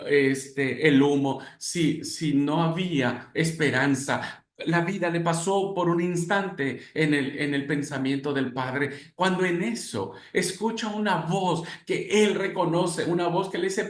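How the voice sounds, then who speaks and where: A man teaching a class on expository preaching, telling stories in an animated way with many fillers. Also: a little high. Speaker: preaching instructor. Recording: echoey room.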